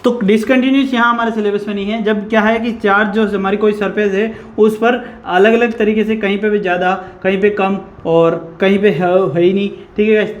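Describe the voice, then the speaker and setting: A man's voice: high voice, muffled recording. A man teaching a physics lesson. He keeps putting questions to the class, answers them himself, and says "guys" all the time. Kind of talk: whiteboard lecture. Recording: echoey room.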